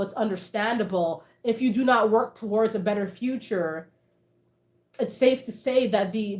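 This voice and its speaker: A woman, chatting casually with livestream viewers, reading out their comments and laughing often. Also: medium pitch. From Canada. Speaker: livestream host.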